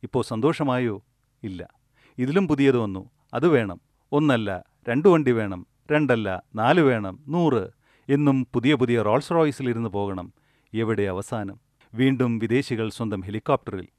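A man's voice: medium pitch, lively intonation, measured pace, a little mellow, no room sound. A man giving a spoken meditation discourse, telling stories with emphatic, repetitive phrasing. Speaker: meditation teacher.

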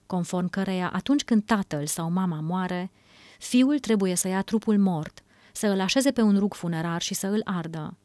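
A woman delivers a spiritual talk in a measured, emphatic voice-over and repeats her key phrases for weight. The sound is dry and close, with no room around it, and her pitch stays in an ordinary middle range. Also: mellow, dry recording. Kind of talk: dubbed sermon.

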